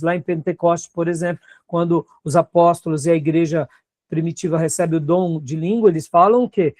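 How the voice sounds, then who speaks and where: Brazilian pastor teaching a Bible class. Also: male voice, high voice, a little mellow, dry recording, clean studio sound. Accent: Brazilian Portuguese. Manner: conversational, checks in with the class often.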